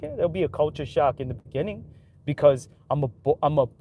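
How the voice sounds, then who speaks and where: A man's voice: on the high side, expressive, fast talker, mellow, a little hiss or hum. Chatty New guy, street talk. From New York City. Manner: loose street talk full of "like", "yo" and "right?". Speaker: livestreamer. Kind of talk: casual opinionated monologue.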